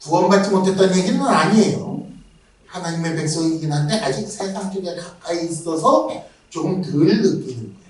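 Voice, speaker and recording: A man's voice: a little high, a little fast, far from the mic. A man preaching a revival sermon as a guest pastor, acting out mocking voices of others. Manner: animated, acts out mocking voices. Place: church sanctuary. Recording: very echoey church from afar.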